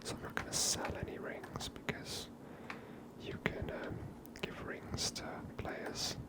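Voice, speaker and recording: A woman whispering breathily close to the mic as she hosts an ASMR game playthrough, soft and musing. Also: a little slow. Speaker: gaming host.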